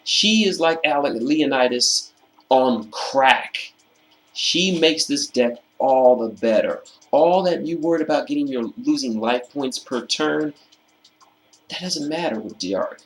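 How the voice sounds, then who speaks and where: A slightly hoarse man with a mid-range voice shows off a card game deck in casual commentary. He reads the card text aloud and emphasizes key phrases by repeating them slowly.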